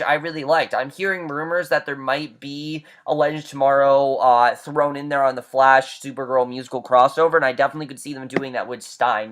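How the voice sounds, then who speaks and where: A man's voice: medium pitch, fairly bright tone. Chatty man recapping a TV episode. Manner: chatty, with frequent fillers and restarts. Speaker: TV reviewer. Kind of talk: casual episode recap and review.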